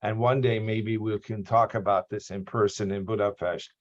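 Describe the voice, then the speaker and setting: A man's voice: on the low side, steady tone, moderate pace, dull audio. A man from Australia hosting a lecture series, giving a formal introduction of a guest with frequent ums and restarts over a video call. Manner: hesitant, many ums and restarts.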